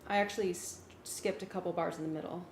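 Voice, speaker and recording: A woman's voice: lowish voice, fairly even intonation, quick pace, roomy sound, a little hiss or hum. A woman chatting casually as a working musician at a rehearsal, asking practical questions.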